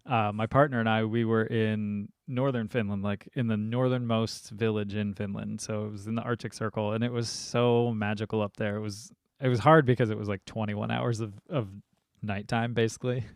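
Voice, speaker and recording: A man hosting a podcast, chatting casually and telling lively stories with many fillers. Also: fairly low pitch, normal speed, no room sound, studio quality. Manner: animated storyteller, many fillers. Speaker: podcast host. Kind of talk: casual conversation.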